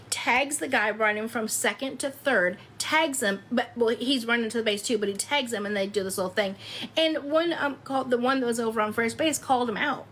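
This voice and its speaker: A woman in her fifties chatting casually with viewers on a livestream, loud and laughing often. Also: on the high side, a little hiss or hum. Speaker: live streamer.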